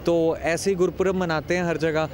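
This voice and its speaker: A man's voice: on the high side, steady tone, moderate pace. A man in his thirties giving an earnest street interview outside a temple, mixing in English words. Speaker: devotee interviewee. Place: outdoors by a temple entrance. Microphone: handheld interviewer mic. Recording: outdoor traffic noise.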